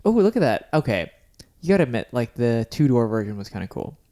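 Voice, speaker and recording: Mellow-voiced man in casual podcast chat. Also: mid-range voice, sing-song, fairly quick. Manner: chatty, wry, trails off mid-sentence. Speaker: podcast co-host.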